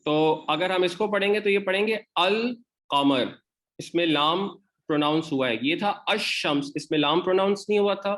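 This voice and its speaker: This man, who has a Pakistani Urdu accent, gives an online lecture on Arabic grammar in a high, slightly bright voice, talking briskly with few pauses. He goes step by step and repeats the example words.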